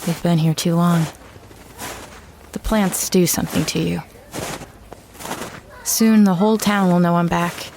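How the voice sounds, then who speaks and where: A woman's voice: fairly low pitch, fairly even intonation, unhurried, creaky, long pauses, darkish tone, a little hiss or hum. An actress playing a bitter woman writer who returns to a hometown that shuns her, narrating an audio drama in a terse, brooding way. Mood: brooding, wary. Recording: music behind the voice.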